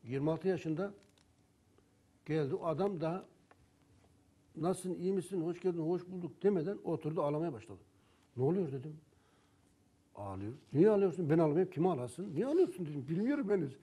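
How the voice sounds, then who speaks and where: A man's voice: a little high, expressive, brisk, long pauses, warm tone, slightly rough. A man who sells herbal remedies, telling anecdotes about customers and acting out their back-and-forth in casual talk. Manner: storytelling, acting out dialogue with customers.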